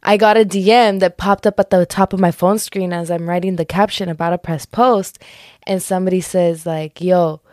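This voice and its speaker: A young woman hosting her podcast in a casual, slangy chat, her voice raspy today. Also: fairly low pitch, steady tone, moderate pace, a little mellow, no echo, studio quality. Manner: chatty, slangy, lots of fillers. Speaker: podcast host.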